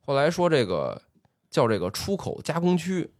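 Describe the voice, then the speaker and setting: A man hosting a podcast, telling a story in casual chat, full of drawn-out filler particles. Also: fairly high pitch, sing-song, dry recording, clean studio sound. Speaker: podcast host.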